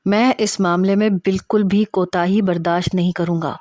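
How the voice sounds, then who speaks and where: A woman's voice: mid-range voice, no echo, natural voice. Stern male senior doctor played by a woman narrator, harsh and emphatic, dressing down a trainee, dry close sound. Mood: cold, strict.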